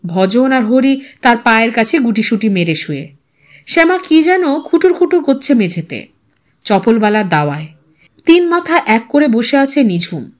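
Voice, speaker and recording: A woman's voice: a little high, big pitch swings, moderate pace. A woman narrating a literary audio story in a dramatic, scripted reading style.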